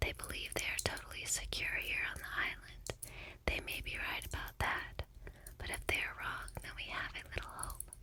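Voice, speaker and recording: A woman whispering at a moderate pace amid noticeable background noise. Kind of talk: reading an adventure gamebook aloud in second person.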